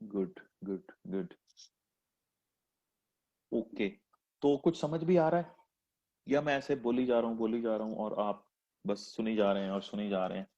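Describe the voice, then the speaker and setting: A man's voice: fairly low pitch, fairly even intonation, moderate pace, warm tone, dull audio. A man teaching a live online freelancing class in a chatty, teasing, rhetorical way. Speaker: freelancing instructor.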